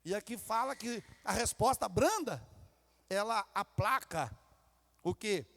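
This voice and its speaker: A man's voice: high voice, animated, measured pace, gravelly, fairly bright tone. A man preaching a sermon as pastor in a church, with a Brazilian Portuguese accent, acting out family quarrels in little character voices. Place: church sanctuary. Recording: reverberant church hall.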